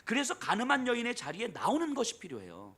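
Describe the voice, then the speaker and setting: A male pastor gives an emotional sermon in a slightly husky, fairly high voice. His pitch swings widely, dropping to near whispers and rising to loud, pleading appeals. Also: huge pitch swings, fast talker. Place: church.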